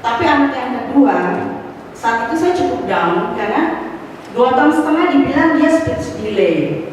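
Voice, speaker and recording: Animated woman in an echoey hall. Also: high voice, moderate pace, recorded from a distance, slight background noise. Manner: animated storytelling, rising to exclamations; mixes in casual slang and english words. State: has a cough. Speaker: testimony speaker at a church fellowship. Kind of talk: personal testimony. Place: church hall.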